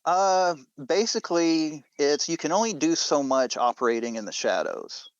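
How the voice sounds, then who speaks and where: A man's voice: fairly high pitch, expressive, moderate pace, smooth, no echo, highs cut off. A man chatting informally about a story, often tossing in rhetorical questions to check the listener follows. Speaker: podcast co-host and show creator. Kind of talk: casual chat about a story's themes.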